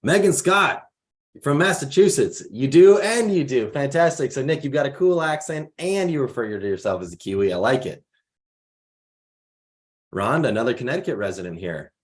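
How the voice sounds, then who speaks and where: Young male workshop host from the Chicago area, slightly raspy voice, relaxed chatty manner, on a video call. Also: medium pitch, normal speed. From Chicago area, United States. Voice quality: raspy from allergies. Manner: chatty, reads out attendees' names and places. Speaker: program founder hosting a mentor workshop. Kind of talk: casual online workshop hosting.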